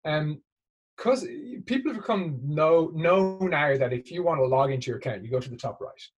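A man's voice: on the high side, animated, moderate pace, breathy edge, dull audio. A man speaking as an executive guest in a business interview, explaining conversationally and often checking in with tag questions.

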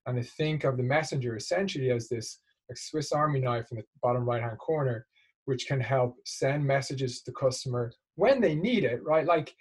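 Male executive guest, mid-pitched and slightly rough-voiced, conversational explainer who keeps checking the listener follows. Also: moderate pace. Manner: explanatory, often seeks agreement with tag questions. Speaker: interview guest, marketing executive. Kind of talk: conversational business interview.

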